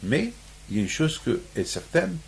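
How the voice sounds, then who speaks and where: A man's voice: fairly high pitch, very animated, normal speed, vocal fry, a little hiss or hum. A man from Morocco giving a sermon on the weekly Torah portion, restating his points over and over and rising into emphatic peaks. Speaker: rabbi.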